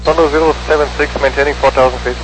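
A man speaking as an airline pilot over the aviation radio, giving brisk, terse readbacks in clipped radio phraseology. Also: a little high, steady tone, background noise. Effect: pilot heard over aviation radio.

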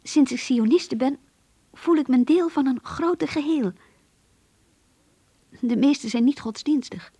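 An actress playing a thoughtful young Jewish woman, confiding softly and breathily as in a diary in a radio play. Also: high-pitched, a little slow, long pauses, dry recording. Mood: earnest. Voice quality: soft, breathy. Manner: intimate, reflective narration. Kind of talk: Dutch radio play monologue.

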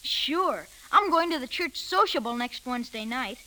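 A woman's voice: sits high, expressive, moderate pace, bright, forceful tone, slight background noise, low-quality recording. A woman playing an eager, chatty young farm boy in an old radio drama.

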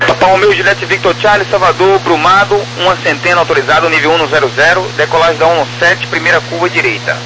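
A man with a Brazilian accent working as an air traffic controller, giving clipped, procedural clearances over aviation radio. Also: a little high, fairly even intonation, fast, hardly any pauses. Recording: noisy humming airband radio transmission.

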